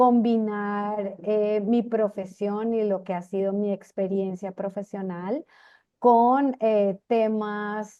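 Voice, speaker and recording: The speaker is a woman at medium pitch. She goes very slowly, with fairly even intonation. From Colombia, Bogotá. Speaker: transport engineering consultant and cultural presenter. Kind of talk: presentation talk. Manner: hesitant with fillers.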